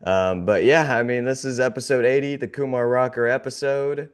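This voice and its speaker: A man's voice: mid-range voice, fairly even intonation, normal speed, clear, resonant tone. A man hosting a casual sports podcast, his voice a little off as he recovers from an illness, talking in a glum, wry way. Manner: glum, sarcastic, laughing off the gloom. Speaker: podcast host.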